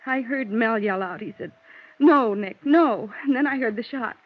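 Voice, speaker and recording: An actress playing a frightened young mother in a 1950s radio drama, with a husky voice. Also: fairly high pitch, moderate pace, natural voice. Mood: shaken. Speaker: witness. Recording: dull old radio broadcast.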